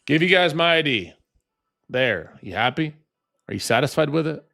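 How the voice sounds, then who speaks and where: A man's voice: fairly high pitch, very animated, moderate pace, creaky, pushed and bright. A man in his late twenties chatting casually with his live-stream viewers while trading, teasing them and laughing often. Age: 20s.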